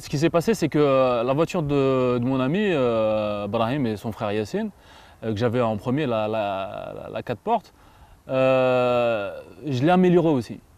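A man's fairly slow, lively-intoned speech in a dry sound with no echo. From Algeria, Batna. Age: 40s. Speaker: car enthusiast. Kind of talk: interview. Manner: hesitant, many fillers. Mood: calm, enthusiastic about his car. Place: open country. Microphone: lapel.

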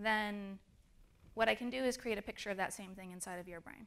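The voice has a bright, sharp tone. It comes with an American accent. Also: woman. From United States. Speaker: UX conference speaker; conference speaker. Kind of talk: lecture. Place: stage. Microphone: lapel.

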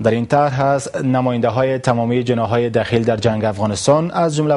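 With an ordinary speaking voice, a man talks at a medium pitch and a fairly quick pace, his intonation fairly even. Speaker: news anchor. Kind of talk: TV news broadcast reading.

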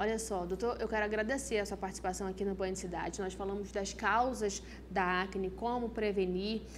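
A woman at medium pitch talks at a fairly quick pace with vocal fry. Her intonation is monotone and flat, with hardly any pauses. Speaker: TV news host. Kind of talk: news show presenter and interviewer. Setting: studio.

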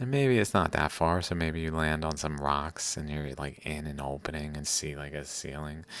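A man's very deep, low voice at a moderate pace, dry sound with no echo. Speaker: video commentator. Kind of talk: casual commentary. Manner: rambling, profane. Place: home room.

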